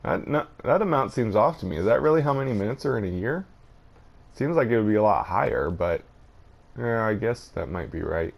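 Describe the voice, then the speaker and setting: A man with a fairly low voice gives casual gameplay commentary. He rambles along as host, thinking out loud in an everyday way. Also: animated, brisk, vocal fry.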